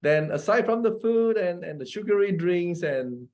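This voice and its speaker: A man's voice: high-pitched, expressive, moderate pace, darkish tone. Chatty man with a Malaysian English accent. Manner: chatty, asks "right?" often, laughs between points. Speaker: presenter. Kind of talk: casual talk to an audience.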